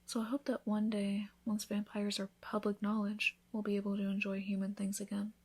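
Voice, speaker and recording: Breathy, tender vampire wife voiced by a woman. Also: medium pitch, monotone, a little fast. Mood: hopeful, tender. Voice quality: soft, breathy, often whispered. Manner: intimate, reassuring, affectionate. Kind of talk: ASMR romantic roleplay.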